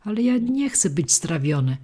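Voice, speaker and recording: A woman's voice: sits low, measured pace, mellow, breathy edge. Pinokio, a frightened wooden puppet boy, read by a woman. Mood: distressed. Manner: panicky, pleading.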